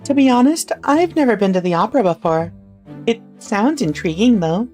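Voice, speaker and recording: A woman's voice: medium pitch, expressive, moderate pace, a little mellow, faint music behind, pitched above the performer's own voice, lightly acted. A woman voicing a shy, polite young housemaid's daughter who speaks with hesitant deference in a story.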